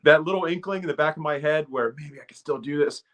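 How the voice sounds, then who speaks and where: A man's voice: fairly high pitch, fast, a bit bright. A man in his forties, a former ballplayer turned broadcaster, chatting and telling self-deprecating stories as a guest on a podcast. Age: 40s. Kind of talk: casual storytelling interview.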